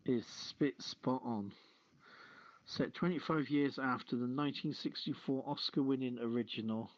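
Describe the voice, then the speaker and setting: A man hosting a casual live show, chatting and reading items in a halting, jokey manner. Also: medium pitch, no room sound. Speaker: radio show host. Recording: dull, lo-fi audio.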